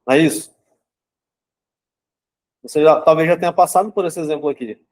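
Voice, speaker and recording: A young man gives a casual, conversational psychology talk, checking in with his listeners as he explains and repeatedly asking "né?" and "certo?". His voice sits on the high side, a little mellow, and moves fairly quickly.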